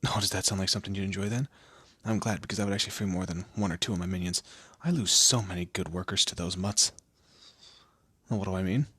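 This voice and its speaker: A man's voice: sits low, quick pace, sharp tone, breathy edge, dry recording, exaggerated voice. A man voicing a smug, teasing demon lord in a scripted audio roleplay, with a theatrical, condescending manner and amused asides. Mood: sly, businesslike. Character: smug, teasing male demon lord, proud torturer and bureaucrat.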